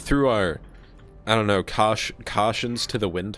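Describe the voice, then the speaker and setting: Music in the background behind a fairly low-pitched male voice. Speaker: gaming commentator. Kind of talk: casual gameplay commentary.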